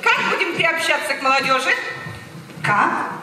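A woman's voice: high-pitched, sing-song, normal speed, background noise. A woman playing a teasing younger woman in an amateur stage comedy sketch. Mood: playful. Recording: echoey hall, loud music and crowd.

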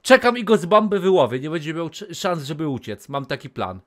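A man in his thirties streaming a game from a small room on a headset mic, talking casually, cursing and yelling at the game, sometimes dropping to a whisper. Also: fairly high pitch, brisk. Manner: excitable, swears, yells at the game, then drops to a whisper. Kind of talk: casual live gameplay commentary.

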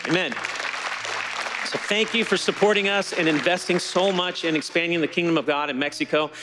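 A middle-aged man preaching a sermon from a church stage on a headset mic, telling stories in a relaxed conversational way. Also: on the high side, a little fast, in a large hall, over a noisy crowd, heavy background noise. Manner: conversational storytelling with laughter. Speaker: pastor.

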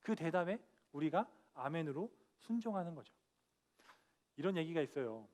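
A young man preaching an earnest, emphatic sermon in a church, dropping soft and then rising on key points. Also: fairly high pitch, expressive, normal speed. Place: church sanctuary.

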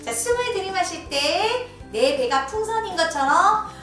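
A woman teacher leading a children's lesson in a gentle, encouraging way and coaching slow breathing. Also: very high-pitched, expressive. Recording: echoey room, from a distance, soft music.

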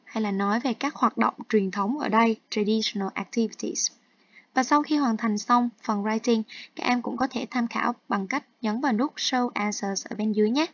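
A woman's voice: fairly high pitch, moderate pace, no echo. A woman English teacher explaining textbook exercises step by step in an online lesson, mixing in English terms. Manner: explains each task step by step, switching between Vietnamese and English terms. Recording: dull, dry lo-fi recording.

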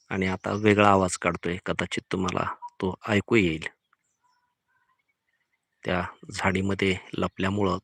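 A man talking quietly outdoors near trees, pointing out birdsong to his viewers in a casual nature vlog. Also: sits low, dry recording. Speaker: nature vlogger.

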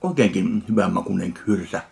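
A middle-aged Finnish man, a food review vlogger, tastes food and comments casually to camera in a small home kitchen indoors, speaking unhurriedly with pauses as he eats. His voice sits low and is animated yet a little mellow. The camera is a short distance away, with clear background noise and handling clicks.

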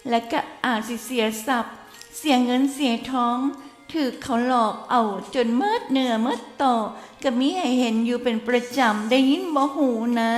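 A woman with an Isan accent giving earnest, cautionary commentary as a news commentator. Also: high voice. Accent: Isan Thai. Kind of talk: moralizing commentary. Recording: echoey room with long reverb and faint music.

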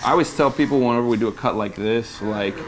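A man working as a barber who explains the haircut step by step in a relaxed, casual way, in a barbershop. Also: medium pitch, quick pace, a crowd in the background, rough recording. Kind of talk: casual explanation while cutting hair. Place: barbershop, indoors.

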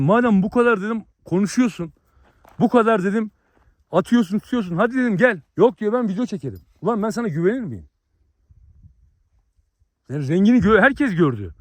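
A man's voice: high voice, no room sound. A man vlogger, delivering a heated, boastful rant with crude insults at his viewers.

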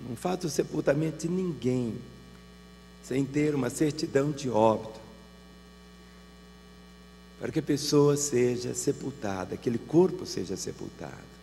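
A man's voice: mid-range voice, dark tone, long reverb tail, slight background noise. A Brazilian man preaching a sermon as pastor, telling vivid pastoral anecdotes. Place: large church hall.

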